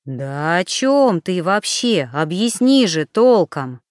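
A woman reader voicing a tired, bewildered young man who keeps calmly pressing for answers. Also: slow pace, no room sound, studio quality. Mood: weary. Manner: tired, low-key, insistent questioning. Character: weary bewildered young man, trying to stay calm.

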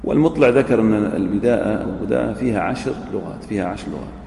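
Man lecturing, gravelly mellow voice, reads and repeats lines, quizzes the class, echoey hall. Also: fairly low pitch, rapid-fire. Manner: reads a line of the text, repeats it, then quizzes the students. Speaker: teacher of Islamic jurisprudence. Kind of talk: classroom lecture on a legal text. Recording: echoey hall recording with faint ambience.

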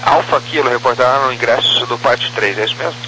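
A man's voice: mid-range voice, brisk, pushed and bright. A Brazilian man giving brief aviation readbacks over a radio. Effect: radio transmission. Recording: humming, noisy aviation radio.

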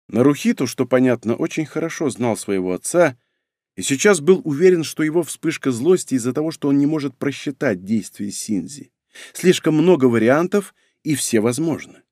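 A man narrating a book in a mid-pitched voice, curt and matter-of-fact. The recording is dry and close, with no room sound. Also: darkish tone, dry recording. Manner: dry, curt first-person voice. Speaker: audiobook narrator. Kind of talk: scripted narration of a novel.

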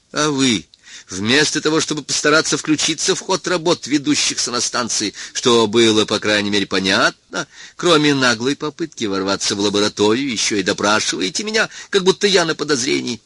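A man's voice: very high voice, slow, creaky, sharp tone, slightly rough, no echo, voice pushed up, heavily acted. A man voicing a gaunt, haunted male scientist who turns from haughty to plaintive and pleading.

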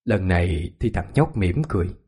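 Husky-voiced male storyteller. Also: deep voice, lively intonation, moderate pace, a little mellow. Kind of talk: horror story narration.

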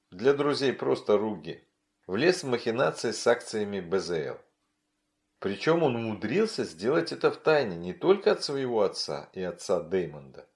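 A male audiobook narrator with a lowish voice. His reading swings widely in pitch, lively and expressive, carrying the story along in a steady, engaged telling.

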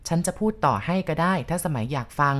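A woman's voice: low voice, expressive, fast talker. A woman reading as a stern older man lecturing. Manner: lecturing, insistent. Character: stern older male landlord explaining ghost lore.

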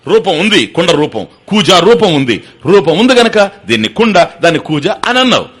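Lively, bright-toned older man teaching. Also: sits high, normal speed, slightly rough. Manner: explanatory, asks the audience questions, mixes in English terms. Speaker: spiritual teacher. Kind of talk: Vedanta discourse to an audience.

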